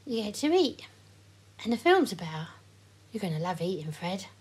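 An elderly woman from an amateur audio drama, acted by a younger woman. Her voice is very husky and wavering, and its pitch moves in lively swings. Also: moderate pace. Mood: coaxing. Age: young adult.

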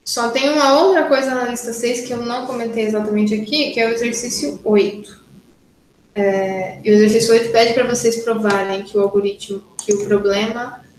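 A woman's voice: on the high side, fairly even intonation, fairly quick, reverberant, slight background noise, poor audio. A woman university lecturer teaching an online class, working through exercises step by step and checking in with students often. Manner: explains step by step, frequent "né?" and "tá?" checks.

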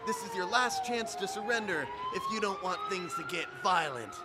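A man's voice: sits high, wildly swooping pitch, normal speed, heavy background noise. A man acting a commanding, sardonic police officer in an amateur audio drama. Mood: urgent, commanding.

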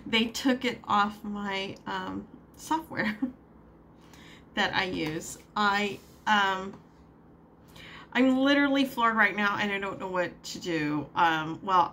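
A woman vlogs casually from home, rambling with plenty of fillers and little laughs while venting her frustration. Her mid-range voice is a bit bright, and there's a little hiss or hum in the audio.

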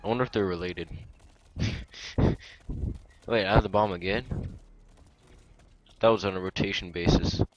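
A young man in casual gameplay commentary, talking in a monotone with mumbled asides, close to the mic. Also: deep voice, unhurried, pauses often, highs cut off. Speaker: gaming YouTuber.

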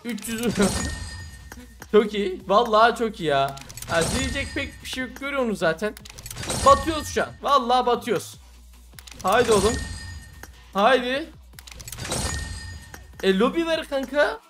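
A young man groans and curses his way through casual mobile gaming commentary. His pitch swoops widely from line to line. Clear music plays underneath his voice. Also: animated, unhurried, long pauses. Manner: exasperated, cursing, groaning at bad luck. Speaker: mobile game streamer.

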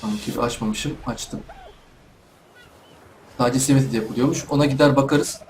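A man's voice: mid-range voice, moderate pace, a little mellow, a little hiss or hum. A young man giving casual let's play commentary from home, chatting to himself and the animals in the game. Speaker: gaming YouTuber.

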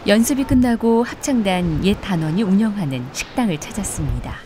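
A woman's voice: medium pitch, expressive, brisk, background noise. A woman reading scripted documentary narration. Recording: prominent music behind voice-over.

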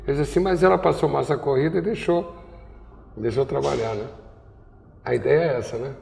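Gravelly older Brazilian man, rambling storyteller. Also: medium pitch, a little fast, a little mellow, in a large hall, a little hiss or hum. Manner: storytelling, digressive, wry. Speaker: interviewer. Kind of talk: rambling conversational interview. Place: artist's studio indoors. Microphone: lapel mic.

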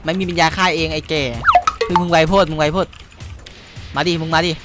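A young man playing a game and commentating, swearing loudly at other players, then switching to polite speech when he talks to his viewers. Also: fairly high pitch, flat delivery, a little fast. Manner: loud swearing outbursts, yelling at other players; polite ending particles when addressing viewers. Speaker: gaming YouTuber. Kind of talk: excitable gaming commentary. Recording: background music under the voice.

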